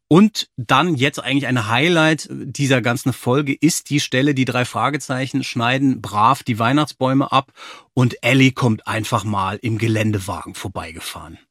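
A man's voice: mid-range voice, a bit bright, no room sound, studio quality. A middle-aged man co-hosting a podcast, talking casually in an appreciative, amused manner. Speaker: podcast co-host. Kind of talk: casual podcast discussion of an audio drama.

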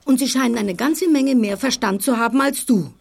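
Creaky-voiced, no-nonsense ranch woman. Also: fairly high pitch. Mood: scolding. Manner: brisk, scolding, matter-of-fact. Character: resolute, no-nonsense grown woman running a ranch. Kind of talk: German audio drama acting.

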